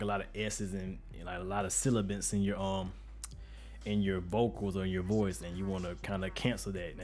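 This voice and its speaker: A man speaks in a deep, bass-heavy voice, close to a studio microphone. He explains things like an informal tutorial host, in loose, slangy, conversational phrasing. Faint music plays behind him. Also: a little mellow. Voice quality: deep, bassy voice. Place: untreated home studio room with reflection filter. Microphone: studio microphone with pop filter, close up.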